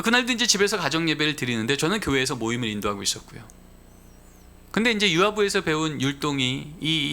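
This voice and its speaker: A man's voice: fairly high pitch, sharp tone. A man preaching a sermon in church, telling a personal family story and asking the congregation rhetorical questions. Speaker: guest preacher. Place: church sanctuary.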